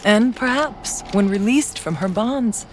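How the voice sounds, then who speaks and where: A man playing a solemn, wry tribal shaman in a video game, speaking in a measured, earnest, mystical way. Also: sits high, a little hiss or hum. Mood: earnest, pleading. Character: solemn, wry Banuk shaman guiding an outlander. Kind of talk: dramatic video game dialogue.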